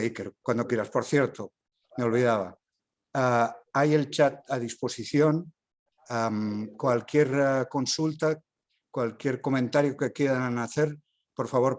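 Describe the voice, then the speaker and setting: Slow, courteous male host. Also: medium pitch. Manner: courteous, unhurried. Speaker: host introducing the speaker. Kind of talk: moderating an online talk.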